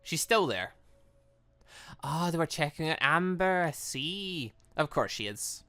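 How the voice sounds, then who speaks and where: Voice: mid-range voice, expressive, a little slow, fairly bright tone. A British let's play host giving casual commentary on a game, rambling and thinking aloud. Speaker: gaming video host.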